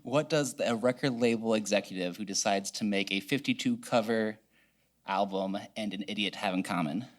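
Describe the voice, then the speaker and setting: A man's voice: fairly low pitch, moderate pace. A man co-hosting a live podcast in front of an audience, casual and joking. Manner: casual, jokey. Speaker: podcast co-host. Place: live event space with audience.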